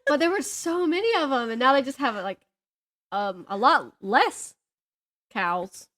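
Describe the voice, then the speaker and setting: A woman chatting casually as a podcast co-host, telling stories in an animated way and acting out what people said. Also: sits high, unhurried. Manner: animated storyteller who acts out reported dialogue and jokes at herself. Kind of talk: casual chat, storytelling.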